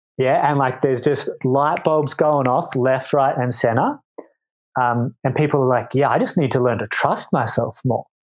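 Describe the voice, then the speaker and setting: Speaking with an Australian accent, a man talks at a moderate pace and medium pitch, with fairly even intonation and very even loudness. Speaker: dance teacher and relationship coach. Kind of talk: casual interview.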